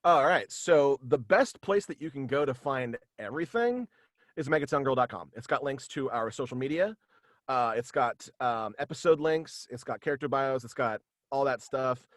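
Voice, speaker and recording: Young guy on a video call, rambly and kinda halting, casual chat, no room echo. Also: mid-range voice, lively intonation, fairly bright tone, clean studio sound. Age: young adult. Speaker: guest, voice actor and podcast creator.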